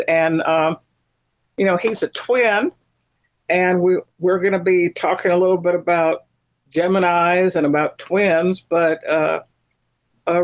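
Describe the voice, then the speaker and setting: A woman's voice: fairly low pitch, rough recording. Casual woman podcast host chatting. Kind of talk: casual conversational podcast chat.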